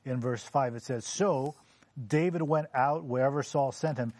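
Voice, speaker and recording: A man on a Bible discussion panel, speaking thoughtfully and reading scripture aloud at a measured pace. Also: medium pitch, darkish tone, no echo.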